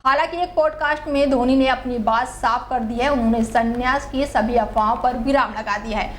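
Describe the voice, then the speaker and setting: A woman anchor reading a news bulletin in a brisk, even newsreader delivery. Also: on the high side, slight background noise.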